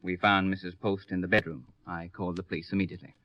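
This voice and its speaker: A male actor as a courteous, measured lawyer from an old radio drama serial. The voice is low and the manner matter-of-fact and careful. The sound is close, dry and lo-fi. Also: level tone, dry recording, close to an everyday voice. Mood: earnest, measured. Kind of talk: 1950s American radio detective serial acting.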